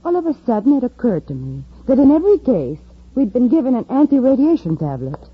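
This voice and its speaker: A woman's voice: on the high side, sing-song, fast, a little hiss or hum. A woman playing a brave, earnest young factory worker in an old radio drama. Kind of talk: 1950s radio drama acting. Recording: dull lo-fi old radio recording.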